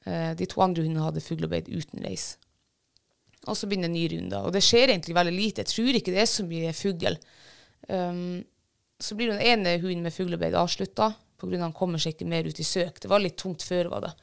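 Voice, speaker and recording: A woman's voice: on the low side, fairly even intonation, creaky, smooth. A woman, a bird dog handler, casually retelling a field trial with many fillers and restarts. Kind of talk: casual storytelling.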